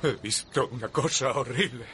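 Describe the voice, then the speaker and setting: A shaken horseman, voiced by a man in a dubbed drama. His voice is tense and sharp as he reports grim news, and faint night noise sits behind him. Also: mid-range voice, normal speed, lightly acted.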